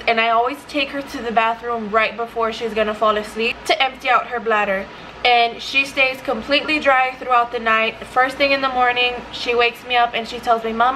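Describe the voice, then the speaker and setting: A woman's voice: on the high side, sharp tone, slight background noise, poor audio. A young woman chatting casually to camera in her living room, a mom vlogger full of "like" and quoted bits of her toddler. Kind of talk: casual vlog talk to camera. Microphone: camera in front.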